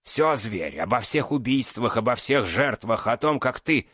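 A man's voice: medium pitch, animated, measured pace, a bit bright, slightly rough, dry recording, studio quality, voice pushed up. A man voicing a desperate aging magister who pleads with his former pupil. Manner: pleading, rising to outbursts.

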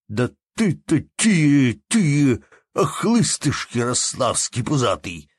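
A man voicing a hot-tempered innkeeper who scolds loudly in folksy speech. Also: lowish voice, lively intonation, takes it slowly, no room sound, studio quality, exaggerated voice. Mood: angry.

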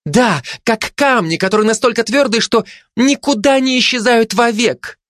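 A man's voice: very high-pitched, moderate pace, a bit bright, a little hiss or hum, voice pushed up. A man doing a squealing greedy female dog. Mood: insistent. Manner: squealing, greedy, dreamy rambling. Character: gluttonous excitable female dog.

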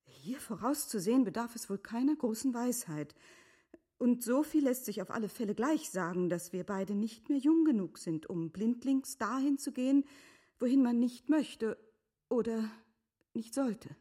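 An actress playing a composed, earnest middle-aged wife in a literary radio drama, speaking formally with a breathy, often hushed delivery. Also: female voice, fairly high pitch, animated, normal speed. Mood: insistent, pleading.

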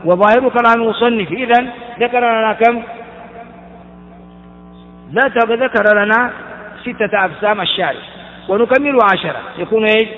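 A man's voice: high voice, moderate pace, pauses often, slight background noise. A man giving a grammar lesson, explaining step by step and asking his listeners questions. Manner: chants verse in a sing-song. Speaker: grammar teacher. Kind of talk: classroom lecture on grammar. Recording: dull, hall-like lo-fi recording.

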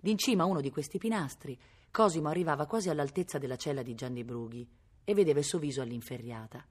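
A woman reading a novel aloud at a library, expressive and storytelling. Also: low voice, fast, breathy edge. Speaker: reader at a public library.

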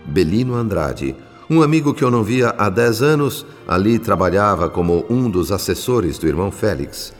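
A man playing a devout spirit narrator in a radio drama, solemn, theatrical and measured. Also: lowish voice, expressive, close to an everyday voice. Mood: solemn, reverent. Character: devout male spirit narrating his visits in the afterlife. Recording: long reverb, music underneath.

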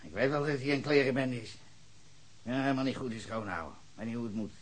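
An actor playing a hostile, cursing bar owner in his fifties in a radio play, shouting and then muttering. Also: medium pitch, quick pace, natural voice. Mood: grumbling. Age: 50s. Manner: cursing, ranting, swings between shouting and muttering. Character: foul-mouthed hostile older male bar owner, drunken ranter.

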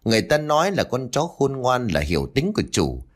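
Gruff old grandfather, played by a man, blunt and cursing, lively in pitch; storybook reading. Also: brisk. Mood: bitter.

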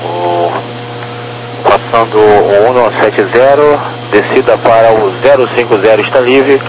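A man's voice: medium pitch, unhurried. A man with a Brazilian accent giving procedural instructions as an air traffic controller over two-way radio, in a police radio style. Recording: noisy, humming airband radio.

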